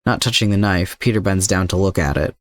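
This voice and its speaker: A man's voice: low-pitched, a little fast, no room sound. A man reading scripted fiction aloud as the narrator of an adventure story. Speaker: fan fiction podfic narrator.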